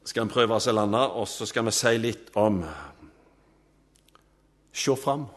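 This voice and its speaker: A man preaching a sermon, emphatic, rising to loud swells and dropping to soft, low endings. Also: fairly even intonation.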